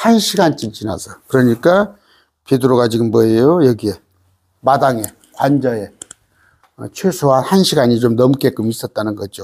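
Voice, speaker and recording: The intonation is lively. Long pauses come often. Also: man, medium pitch for a man, moderate pace. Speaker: pastor. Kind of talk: bible lecture. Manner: animated, conversational.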